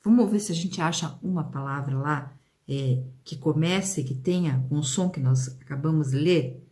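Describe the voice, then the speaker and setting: A Brazilian Portuguese-accented woman teaching children, sounding out words slowly and prompting the class with questions. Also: deep voice, a little mellow. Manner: slow, drawn-out pronunciation of example words; questions and prompts aimed at pupils. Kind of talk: video lesson for children.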